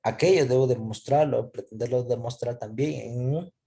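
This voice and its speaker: A male teacher with a mellow, creaky voice at a middling pitch talks through a lesson. He is didactic, asks questions that he then answers, and often checks in with short tags. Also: normal speed. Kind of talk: explanatory lesson, asking and answering own questions.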